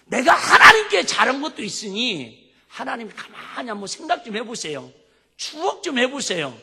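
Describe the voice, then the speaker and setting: A man preaching, acting out a dying king who pleads loudly with God. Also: very high voice, huge pitch swings, moderate pace, vocal fry, breathy edge, voice pushed up, full character voice. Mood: pleading. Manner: loud pleading, shouting. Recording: long hall reverb.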